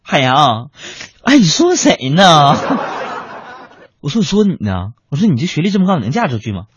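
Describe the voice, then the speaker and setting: A man's voice: on the high side, very animated, normal speed, muffled recording, a little hiss or hum. A male radio comedy host, chatting and reading out listener messages, laughing at his own jokes and acting out the voices.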